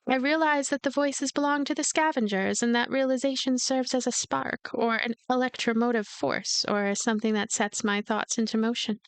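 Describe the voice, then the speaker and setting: A woman's voice: on the high side, creaky, smooth, no echo. A woman reading a game's story expressively as a let's play host, with casual commentary. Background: game music.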